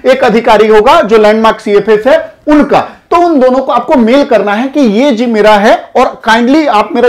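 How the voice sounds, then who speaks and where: A man in his thirties who hosts a channel, explaining an auction listing to camera in a lively, direct way, recorded indoors on a lapel mic. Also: extremely high pitch. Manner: energetic, gestures broadly, addresses viewers directly. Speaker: customs auction consultant and channel host. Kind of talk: explainer to camera in front of a screen. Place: indoor studio before a projected screen.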